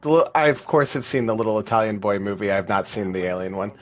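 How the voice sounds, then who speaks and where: A man with a fairly low voice chats in an easygoing, wry manner as a podcast co-host. His audio sounds dull and lo-fi. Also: expressive, fast. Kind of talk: casual podcast conversation.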